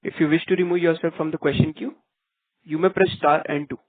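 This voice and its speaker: A man's voice: fairly high pitch, fairly even intonation, a little fast. A man working as a conference call operator, giving scripted instructions in a formal, procedural way. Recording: narrow dry phone line.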